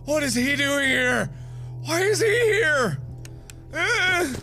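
A man playing a horror game with excitable let's-play commentary, jumpy and dramatic, swearing and swinging from hushed muttering to screaming. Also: extremely high pitch, slow pace, faint music behind.

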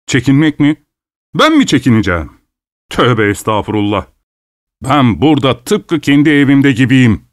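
Man doing a smug greedy guest, slow and sly, kinda pleased with himself. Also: medium pitch, big pitch swings, dry recording, clean studio sound, close to an everyday voice. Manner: smug, leisurely, feigned innocence. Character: greedy, shameless male dinner guest.

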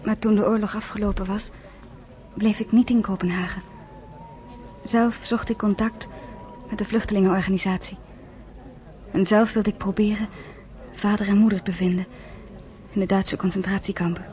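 An actress playing a young Jewish woman survivor who narrates her own story in a radio play, softly and often close to a whisper. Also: medium pitch, fairly even intonation, normal speed, long pauses, close to an everyday voice. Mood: subdued, grave. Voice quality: soft-spoken, often near a whisper.

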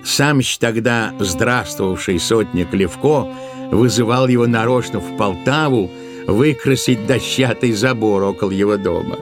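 A man narrating a literary tale for an audio play in an expressive, deliberate way, drawing out certain words. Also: lowish voice. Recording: music behind the voice. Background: musical accompaniment.

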